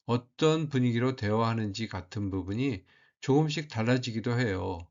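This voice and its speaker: A man teaching as a language teacher, explaining culture in a calm, measured way. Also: medium pitch, muffled recording.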